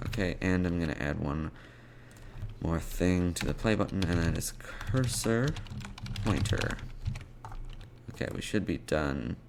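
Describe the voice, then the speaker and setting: A man with a very low voice walks slowly through code in a casual screencast. He pauses often as he thinks aloud, step by step. Keyboard clicks and clear background noise sit behind him. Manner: halting, thinking aloud while typing. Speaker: programming tutorial presenter. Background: computer keyboard typing and clicks.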